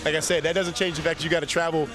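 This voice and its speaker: Fast-talking young man with a cold. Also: a little high, level tone, music in the background. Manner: easygoing, rambling, playful. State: nasal from a cold. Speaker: interview guest, basketball player. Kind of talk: casual interview chat. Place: empty indoor arena seats. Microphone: handheld mic.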